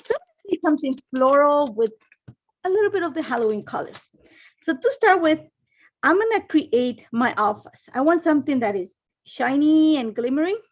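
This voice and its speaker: A woman's voice: high-pitched, animated, moderate pace. A middle-aged woman from Ecuador, hosting a casual craft livestream from her home craft room, chatting, rambling and greeting viewers by name. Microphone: phone and laptop livestream setup. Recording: dull lo-fi livestream audio.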